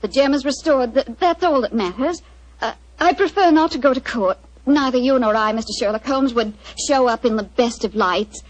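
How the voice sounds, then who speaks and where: A woman playing a refined high-voiced lady. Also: moderate pace, dry recording, natural voice. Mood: firm. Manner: refined, crisp, well-bred. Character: proud, anxious titled English lady. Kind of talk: 1940s radio drama acting. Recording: dull old radio broadcast.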